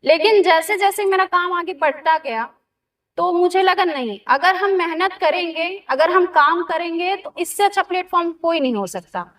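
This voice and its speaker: A woman's voice: very high-pitched, moderate pace, recorded from a distance. A woman actress talking earnestly about her work in an interview, with a Bagheli-region Hindi accent. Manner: steady, earnest, reflective. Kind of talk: casual interview talk.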